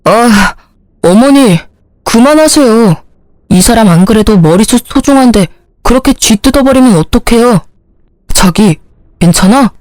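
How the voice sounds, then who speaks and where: A woman's voice: on the high side, expressive, unhurried, darkish tone, no echo. A woman doing a whiny cheating husband. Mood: defensive. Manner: whining, pleading.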